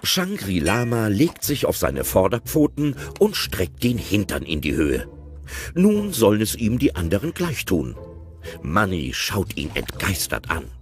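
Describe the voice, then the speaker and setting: Calm low male narrator. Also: measured pace, faint music behind. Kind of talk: scripted narration of a radio play.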